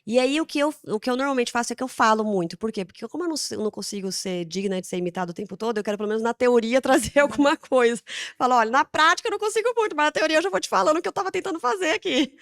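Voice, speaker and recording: A woman with a Brazilian Portuguese accent, a podcast guest answering in lively casual talk and acting out talks with her children. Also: on the high side, dry recording, clean studio sound. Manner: animated, acts out dialogues with her children.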